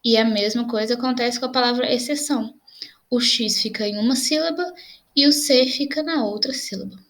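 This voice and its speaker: In this video lesson, a young woman teaching grammar speaks at a fairly high pitch with a Brazilian Portuguese accent. She is patient in her explanations and spells out examples slowly.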